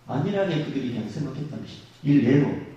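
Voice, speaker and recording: A middle-aged man preaching a Sunday sermon as senior pastor. He swings between loud exhortation and quiet asides, and acts out the grumbling voices of the people he quotes. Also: mid-range voice, animated, fast, muffled recording. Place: large church sanctuary. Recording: very echoey sanctuary, voice from far off.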